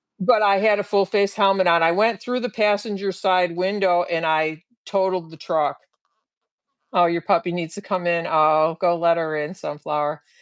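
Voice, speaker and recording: A woman with an unremarkable speaking voice, fairly low pitch, fairly even intonation and a moderate pace. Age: 60s. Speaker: guest on live stream podcast. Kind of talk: casual chat. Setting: live stream.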